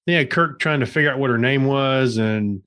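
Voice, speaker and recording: A man's voice: mid-range voice, moderate pace. Easygoing man in a film chat. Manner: relaxed, easygoing, thinks aloud with fillers. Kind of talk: casual film discussion.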